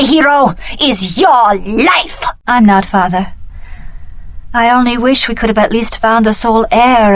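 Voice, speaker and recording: A woman's voice: fairly high pitch, dry recording, natural voice. A woman voicing a cunning young warrior heiress in a video game, with an articulate, dramatic delivery. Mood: earnest.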